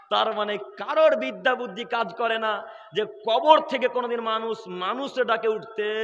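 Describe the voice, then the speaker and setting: High, bright-voiced man preaching with long echo. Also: highs cut off. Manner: mocking, scolding, rhetorical questions to the crowd; swings from quick low asides to loud calls. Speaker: Islamic preacher. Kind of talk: sermon. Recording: long hall reverb from a live gathering.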